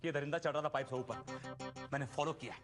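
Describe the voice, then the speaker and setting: An actor playing an excitable, suspicious office worker who dramatically accuses his colleague, in a TV sitcom. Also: fairly high pitch, fairly quick, lightly acted. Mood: insistent. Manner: theatrical, indignant, repeats himself. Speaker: sitcom character. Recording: TV sitcom audio with background music.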